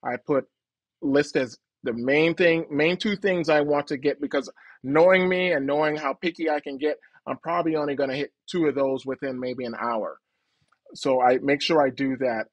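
A man's voice: a little high, normal speed, no echo. A man who conducts a military band, speaking in a matter-of-fact, practical way on a video call from an office. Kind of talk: video call panel discussion. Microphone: video call webcam.

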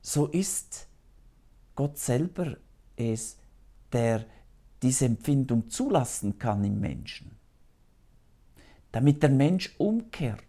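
Slow, gravelly priest in a studio. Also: male voice, mid-range voice, very animated, dark tone. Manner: slow, solemn, earnest. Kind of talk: televised sermon. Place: small TV studio.

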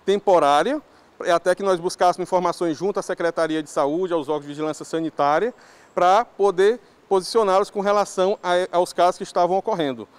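A man gives a news interview soundbite, talking fast in a high, smooth voice. He speaks formally with small hesitations into a handheld reporter mic. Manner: quick, formal, slightly halting. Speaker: parents' association president.

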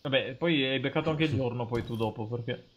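A man's voice: medium pitch, a little fast, muffled recording, background noise. A man talking casually and insistently as a co-player on a game livestream, often repeating himself. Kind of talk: casual gameplay banter.

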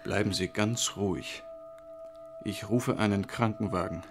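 A calm police commissioner soothes an injured woman. His voice is fairly low, with music playing beneath it. The recording is a studio radio play. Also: a little slow. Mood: soothing. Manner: soothing, reassuring. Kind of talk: radio drama acting.

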